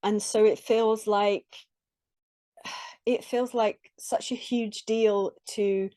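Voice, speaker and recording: A middle-aged woman coach talks with a mellow, warm voice in a dry, close recording. She is earnest and reflective, building her points in short halting phrases with restarts. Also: mid-range voice, fairly even intonation, dry recording. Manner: earnest, reflective, with frequent soft laughs. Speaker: relationship coach, podcast guest. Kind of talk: conversational interview.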